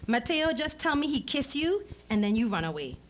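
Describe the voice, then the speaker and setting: Woman reader as teasing teen girl, raised pitch, emphatic and slangy, storybook dialogue, noisy recording. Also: sing-song, moderate pace. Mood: teasing, insistent. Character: pushy, teasing teenage Trinidadian girl friend. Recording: clearly noisy live event recording.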